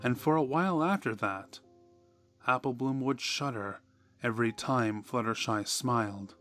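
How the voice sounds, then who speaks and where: A man's voice: medium pitch, measured pace, fairly bright tone. A man reading a horror story as a dramatic scripted narration. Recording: music behind the voice. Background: music.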